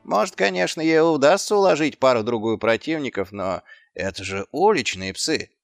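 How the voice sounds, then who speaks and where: A man voicing a small, scruffy male mongrel dog who talks in a higher, pushy, excitable way. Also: moderate pace, gravelly, no room sound, faint music behind. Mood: defiant. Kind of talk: audiobook character voice.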